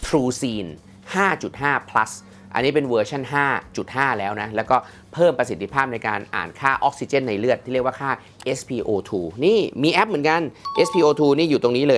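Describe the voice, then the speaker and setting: Man, tech reviewer, mid-pitched, lively and chatty, product review delivery. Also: fairly quick, faint music behind. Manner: chatty, lively, frequent polite fillers.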